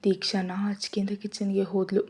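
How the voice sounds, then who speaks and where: Female narrator for a family story; steady, even, mellow. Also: mid-range voice, brisk, slightly rough. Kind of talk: scripted narration.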